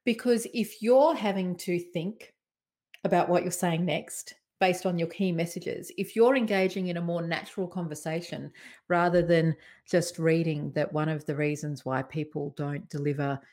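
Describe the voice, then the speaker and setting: A woman giving presentation tips in a conversational, expressive way, varying her tone and emphasis. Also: fairly low pitch. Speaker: presentation coach. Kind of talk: talking-head presentation tips.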